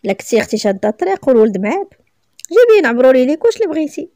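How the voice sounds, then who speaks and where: A woman voicing a stern young male army lieutenant with a rough voice, speaking curtly in a read-aloud story. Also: high-pitched, sing-song, rapid-fire, mellow, no room sound, studio quality.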